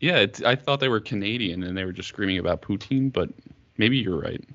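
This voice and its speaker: Low-voiced male podcast host, teasing. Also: brisk, fairly bright tone, no room sound. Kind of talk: casual podcast chat. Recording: dull lo-fi dry sound.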